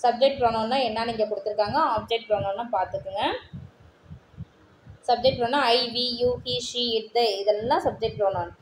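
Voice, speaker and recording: A woman teacher with a Tamil accent, explaining textbook answers and reading English sentences out slowly, word by word. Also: fairly high pitch. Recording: echoey room with faint noise.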